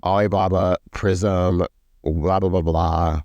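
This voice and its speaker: Guy w a cold, low nasal voice, chatty and snarky. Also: level tone, takes it slowly, darkish tone, dry recording, muffled recording. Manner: chatty, sarcastic, quotes people in mock voices. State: sick with a stuffy nose. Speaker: podcast co-host. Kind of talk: casual chat.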